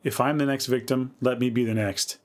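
A man's voice: medium pitch, fairly even intonation, brisk, close to an everyday voice. A man reading the part of a bold, thrill-seeking unmarried woman in her thirties in a dramatic story reading. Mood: defiant. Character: spirited thirty-three-year-old unmarried woman.

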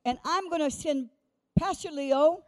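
A woman preaching a sermon in short phrases, pausing so an interpreter can translate, repeating words for emphasis. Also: sits high. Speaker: guest preacher.

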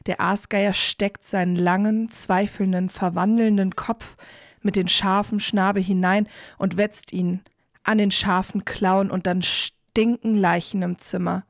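An ominous actress as female storyteller in a radio drama. Her medium-pitched voice moves slowly and deliberately, grim and accusing, in a dry close recording. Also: little pitch movement, no echo, natural voice. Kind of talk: poetic radio play monologue.

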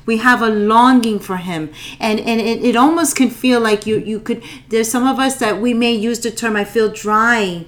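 A woman's voice: on the high side, moderate pace, hardly any pauses. A woman co-hosting a Christian show, reading scripture and preaching earnestly with emphatic repetition. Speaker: co-host of a prayer show.

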